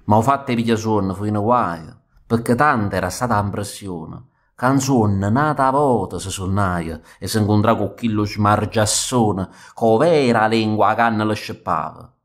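A man with a low voice and a Neapolitan accent recites narrative verse like a stage storyteller. His delivery is rhythmic and expressive, made for comic dialect poetry. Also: normal speed. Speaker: actor reading verse.

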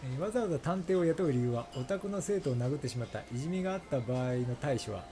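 A man's voice: medium pitch, animated, fast talker, background noise. A man giving casual commentary as he streams a game, sometimes reading choices aloud.

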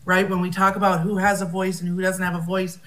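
A woman's voice: lowish voice, flat delivery, quick pace. An American woman speaking at an academic conference over a video call, thoughtful and often rephrasing herself. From United States.

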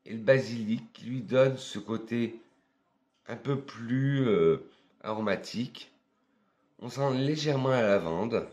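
A man from France reviewing perfumes in a casual vlog, talking in an unhurried, hesitant way and thinking aloud with many pauses. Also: medium pitch, darkish tone.

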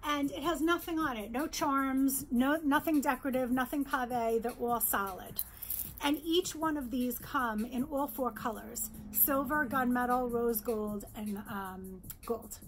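A middle-aged woman from New York, a jewelry designer, presenting her bracelets in a bright, chatty sales pitch in her showroom, close to the camera. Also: a little slow, slight background noise. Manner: upbeat, chatty sales pitch, holds up pieces. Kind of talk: virtual trade show product presentation. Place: indoor showroom with jewelry displays.

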